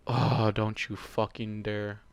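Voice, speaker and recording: A man reads fan fiction aloud and rants about it, exasperated and profane, speaking straight to the characters. His voice is lowish and gravelly, slow, with little pitch movement.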